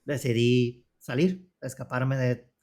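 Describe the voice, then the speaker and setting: A man in his forties from Tijuana with a northern Mexican accent, a psychotherapist calmly recounting his story as an interview guest. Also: mid-range voice, takes it slowly. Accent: northern Mexican Spanish. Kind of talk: personal testimony in interview.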